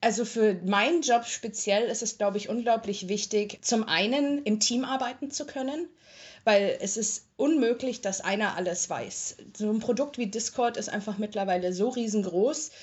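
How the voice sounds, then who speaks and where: A woman's voice: a little high, a little mellow. Chatty young German woman, muffled recording. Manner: chatty and colloquial, brisk storytelling with frequent filler pauses. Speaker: interviewee, tech customer support worker. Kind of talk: casual interview talk.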